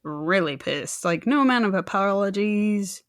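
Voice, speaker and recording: A woman's voice: medium pitch, animated, unhurried, no echo. Casual woman podcaster, close dry sound. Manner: informal, colloquial, joking asides and mimicked quotes. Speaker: true crime podcast co-host. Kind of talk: casual conversational storytelling.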